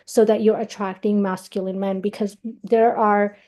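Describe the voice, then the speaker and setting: Young woman from Pakistan, co-host coach, measured webinar delivery, warm voice. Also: mid-range voice, little pitch movement. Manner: measured, reflective, personal examples. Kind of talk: live webinar talk.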